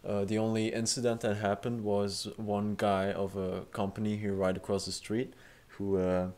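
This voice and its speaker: A man's voice: lowish voice, little pitch movement, normal speed, darkish tone. A young man hosting an improvised chat, rambling with fillers and restarts and swearing casually. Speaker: host.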